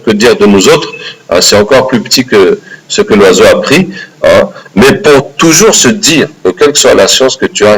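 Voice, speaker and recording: A man teaching a religious lesson, animated and often checking in with his listeners. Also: lowish voice, husky, low-quality recording. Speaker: Quran teacher.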